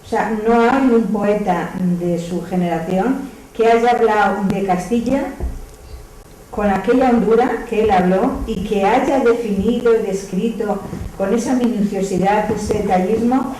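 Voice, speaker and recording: Woman, Spain accent, soft mellow tone, reflective audience comment, distant microphone. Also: mid-range voice, measured pace. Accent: Spanish (Spain). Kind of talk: spontaneous discussion at a literary talk. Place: echoey indoor hall at a public talk. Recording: distant, very echoey room, faint noise.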